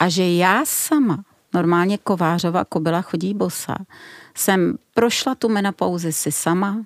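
In a very clean recording with a silent background and a dry, close sound with no echo, a woman speaks at a fairly slow pace and medium pitch with ordinary pitch variation, in a normal speaking voice. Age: 60s. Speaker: coach and social skills trainer. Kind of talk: casual chat. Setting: studio.

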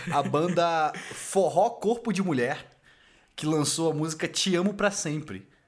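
On a very clean recording with a silent background, a man speaks fairly slowly in an animated tone with ordinary pitch variation. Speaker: podcast co-host. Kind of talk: casual chat.

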